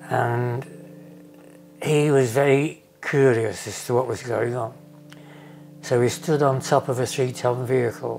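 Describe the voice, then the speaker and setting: A man at medium pitch speaks at a fairly slow pace with fairly even intonation and long, frequent pauses over noticeable background noise. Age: 80s+. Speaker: war veteran. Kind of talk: interview answer.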